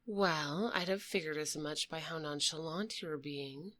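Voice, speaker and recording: A woman playing a sassy, menacing female dragon debt collector for the mob in a close, soft-spoken ASMR roleplay, with a cool, taunting, condescending delivery. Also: sits low, measured pace. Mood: cool, probing. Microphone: close binaural microphone.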